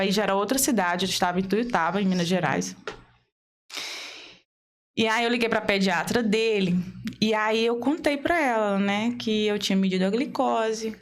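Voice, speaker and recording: A woman in her thirties from Brazil, a podcast guest telling a personal story with animation, acting out dialogue and laughing as she goes. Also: medium pitch. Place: podcast studio.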